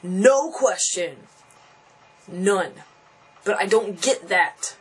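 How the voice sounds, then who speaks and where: A man's voice: high voice, lively intonation, drawn-out words, slightly rough, faint music behind. A young transgender man venting casually to camera, frustrated and thinking aloud, often restarting and repeating phrases. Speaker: vlogger.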